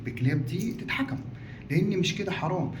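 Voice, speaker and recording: A man speaks quietly. The room echo is audible. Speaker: dog trainer and vlogger. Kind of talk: casual vlog monologue. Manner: lowered, quiet voice.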